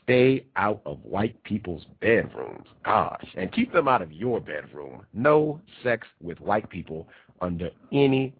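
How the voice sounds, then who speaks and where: A man's voice: lowish voice, very animated, unhurried, slight background noise. A man hosting a talk radio show, congested and nasal from a cold, delivering an emphatic monologue and repeating key phrases. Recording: tinny phone-line quality.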